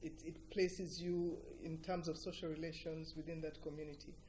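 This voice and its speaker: A middle-aged woman with a Ugandan accent, speaking as an interview guest in an earnest, emphatic and deliberate explanatory way. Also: low voice, little pitch movement, warm tone, a little hiss or hum. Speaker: interview guest, cultural organisation director. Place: TV breakfast show interview.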